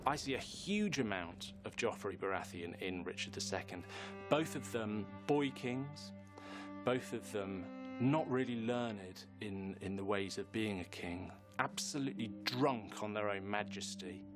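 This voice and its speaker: A man's voice: fairly low pitch, animated, measured pace. A man explaining history emphatically, as a commentator interviewed for a documentary. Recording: loud music bed behind voice.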